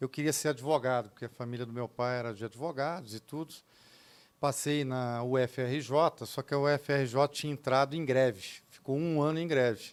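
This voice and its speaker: The intonation is fairly even. Delivery comes at a moderate pace. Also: man. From Rio de Janeiro, Brazil. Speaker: business executive. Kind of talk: interview.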